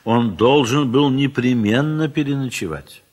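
An actor as a reflective, affectionate literary narrator in an audio drama. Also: male voice, medium pitch, measured pace, darkish tone, close to an everyday voice. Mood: fond, reflective. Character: reflective, affectionate male literary narrator recalling old friends.

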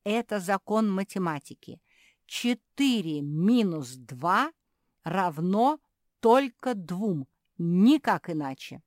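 A patient older sister creature from a storybook, explaining each point slowly and carefully, as a woman puts her on. Her voice sits somewhat higher than plain talk, in a dry close recording. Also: big pitch swings, a little mellow, dry recording.

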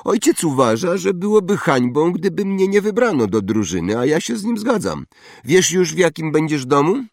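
A man's voice: a little high, big pitch swings, moderate pace, creaky, dry recording, studio quality, pitched above the performer's own voice. A man voicing an arrogant, snobbish young wizard boy who boasts and mocks. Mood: boastful. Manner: boastful, mocking.

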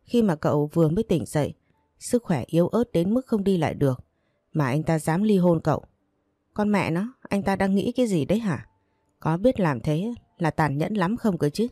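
A woman reading an audiobook and voicing a young female friend who is protective and quick to anger on her friend's behalf. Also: lowish voice, expressive, warm tone, no room sound, clean studio sound. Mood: indignant. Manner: consoling, then outraged.

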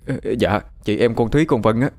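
A man's voice: lowish voice, a little fast, a little mellow, natural voice. A man voicing a frightened young male servant, stammering and pleading. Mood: scared.

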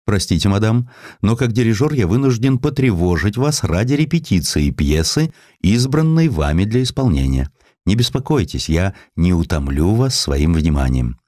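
Man playing a deep-voiced, courteous orchestra conductor. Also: very animated, moderate pace, warm tone, dry recording, clean studio sound. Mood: polite. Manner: formal, polite, insistent. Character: courteous, insistent, reserved male orchestra conductor.

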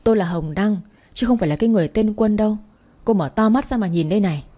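A woman's voice: mid-range voice, fast, mellow, natural voice. A woman voicing a brusque, impatient young man who runs a bar, talking in a curt, scolding way.

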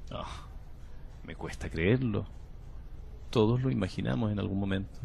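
An actor playing a calm, cryptic male patient who claims to come from the future, speaking in a slow, measured, unsettling way. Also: mid-range voice, vocal fry, a little hiss or hum. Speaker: patient under interview. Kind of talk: audio drama acting.

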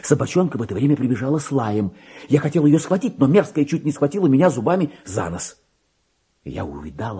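A male actor with a husky, mid-range voice reads a dramatic monologue in a radio play, playing an excitable, self-important, paranoid petty clerk. His agitated, volatile delivery swings between confiding tones and outbursts.

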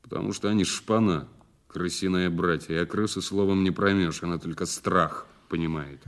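An actor as a surly, deep-voiced male prisoner. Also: steady tone, normal speed, close to an everyday voice. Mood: gruff, matter-of-fact. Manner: curt, sardonic, surly. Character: defiant, bitter working-class male prisoner under interrogation. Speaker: actor in an audio play. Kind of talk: naturalistic audio drama dialogue.

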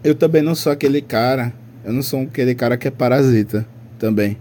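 Rambling young Brazilian man, dark voice. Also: mid-range voice, fast talker. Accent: Brazilian Portuguese. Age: 20s. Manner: rambling, slangy, laughs often. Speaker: podcast co-host. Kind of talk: casual chat.

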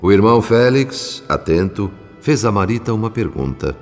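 In a scripted radio drama, a man with a Brazilian accent plays a solemn, reflective spirit narrator. His voice is on the low side and animated, at a normal speed. The recording has long reverb with music behind him.

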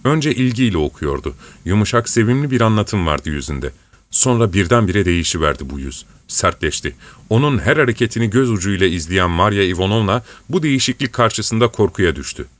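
Low-voiced male audiobook narrator. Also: animated, brisk.

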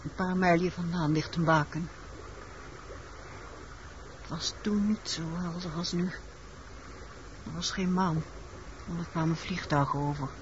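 A woman's voice: on the low side, fairly even intonation, measured pace, long pauses, natural voice. A muffled old radio play recording with some background noise carries an actress as a haunted woman. She is insistent and pleading, brooding over the night with dramatic intensity. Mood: brooding recollection. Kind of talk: Dutch radio play acting.

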